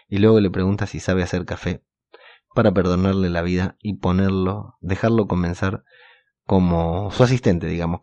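A man, hosting a podcast and recapping a TV episode scene by scene in a steady retelling with occasional filler pauses. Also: deep voice, dry recording. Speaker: podcast host. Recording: dull, dry lo-fi recording.

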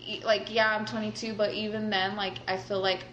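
A woman's voice: medium pitch, little pitch movement, fairly quick, a bit bright. A woman in her twenties chatting casually, blunt and profane, often breaking into laughter. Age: 20s. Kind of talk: casual chat. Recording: echoey room with crowd noise behind.

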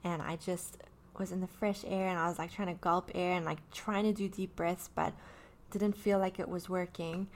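Speaking at a moderate pace in a lowish, flat voice, a woman in her early thirties opens up about her anxiety. Her talk wanders, full of fillers and false starts.

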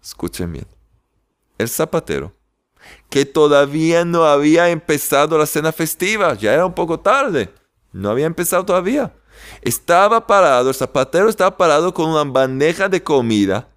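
A man telling a religious folk tale to listeners in a lively, animated way. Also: fairly high pitch, moderate pace, clean tone. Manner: lively, animated, laughs at his own tale. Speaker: storyteller.

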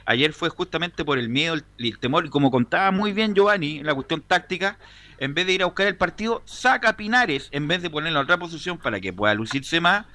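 Male sports-talk host, mid pitch, bright and assertive. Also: animated, fairly quick. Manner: assertive, lists points.

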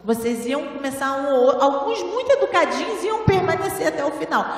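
A woman with a high voice gives a spiritual talk to a seated audience, teaching patiently and asking rhetorical questions. She speaks into a handheld microphone, but her voice arrives from a distance. It is wrapped in the long, booming reverb of a large hall. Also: expressive, fairly quick. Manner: didactic, rhetorical questions, frequent "né?". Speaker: lecturer at a spiritual temple. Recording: echoey hall, voice from far off.

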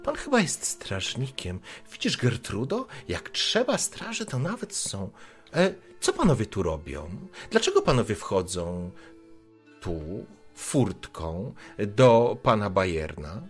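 A man's voice: lowish voice, huge pitch swings, takes it slowly, soft background music, pitched below the performer's own voice, full character voice. A man voicing a nosy, prim middle-aged townswoman in a tabletop game, prying and gossipy.

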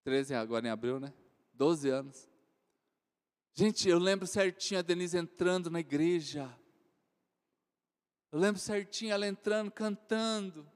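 A man in his forties with a Brazilian accent preaching a sermon, swinging from loud exclamations to soft joking asides. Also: high voice, animated, unhurried, long pauses. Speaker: pastor. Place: church hall. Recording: reverberant church hall.

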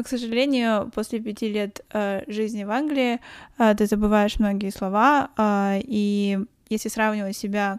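A woman's voice: mid-range voice, clean tone, dry recording, clean studio sound. A young woman from Kazakhstan co-hosting a podcast, speaking casually and earnestly. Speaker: podcast co-host.

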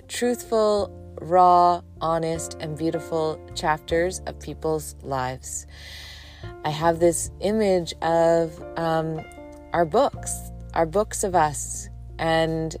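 A woman hosting a podcast in casual chat, emotional and gushing, often filling pauses with um and uh. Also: on the low side, a little mellow. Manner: emotional, gushing, many ums and uhs. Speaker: podcast host.

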